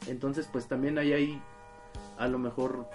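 A man, co-hosting a podcast. His voice is dark and mellow, and his pitch sits in a middling range. He takes his time and works through ideas in a thoughtful, analytical way. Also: flat delivery, normal speed, faint music behind. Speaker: podcast co-host. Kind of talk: casual film discussion.

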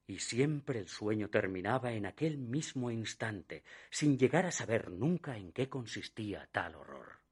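An actor playing a man in his thirties who recounts a recurring nightmare, narrating a radio drama in a measured, hushed way that sinks almost to a whisper at the darkest moments. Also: on the low side, slightly rough. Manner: measured, hushed storytelling that drops to a near whisper at dark moments. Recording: narration over music. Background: music.

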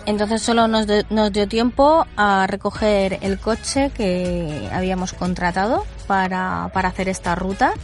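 Woman, travel vlog host, bubbly and chatty, soft music underneath. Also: medium pitch, fairly even intonation, a little slow, hardly any pauses. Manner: upbeat, chatty, enthusiastic. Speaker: travel vlogger. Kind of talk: casual travel vlog chat. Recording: faint music behind.

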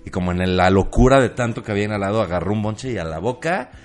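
A man's voice: lowish voice, lively intonation, quick pace. A man with a Mexican accent co-hosting a comedy podcast, joking, laughing often and slipping into impressions. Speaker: podcast co-host. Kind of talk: casual comedy chat.

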